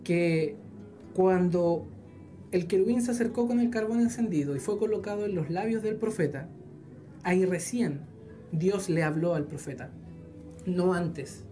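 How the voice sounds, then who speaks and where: A woman's voice: fairly low pitch, mellow, faint music behind. A woman who volunteers in a church audio team gives an earnest personal faith testimony, often stopping to restart her sentences. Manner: earnest, halting with many restarts.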